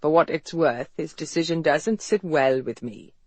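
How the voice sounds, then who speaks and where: A man's voice: a little high, normal speed, a little mellow, no echo. A narrator doing a dry-humored Welsh businessman.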